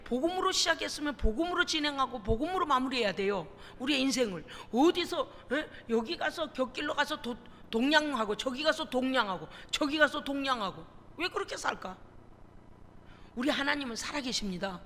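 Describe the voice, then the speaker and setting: High, bright-voiced woman pastor preaching. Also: big-room sound, slight background noise. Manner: animated storytelling, acting out phone calls; emphatic, indignant preaching. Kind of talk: sermon. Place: church sanctuary.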